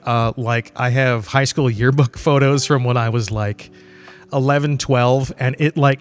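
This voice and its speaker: A man hosting a solo podcast, talking in a casual, rambling, candid way with loose swearing and chuckles mid-sentence. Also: mid-range voice. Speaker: podcast host.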